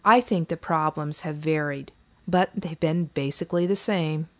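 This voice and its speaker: A woman reads the lines of a weary, sarcastic mother who is defensive and exasperated about repeating her family history in therapy. Her voice is low-pitched and natural, at normal speed.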